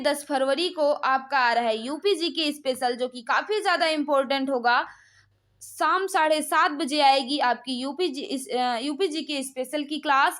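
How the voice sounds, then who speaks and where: Female online exam-prep teacher, high voice; brisk quizmaster delivery with repetitive prompts. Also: fairly bright tone. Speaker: online exam-prep teacher running a live quiz class. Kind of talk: live quiz lesson, reading questions and confirming answers.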